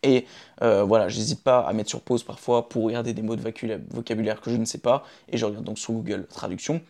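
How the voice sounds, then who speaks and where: Filming on his phone in his room, a chatty young man shares his daily routine and gives casual advice straight to camera. His voice is lowish, quick and a little mellow, with fairly even intonation and vocal fry, and he often checks in with "d'accord?" and "ok?"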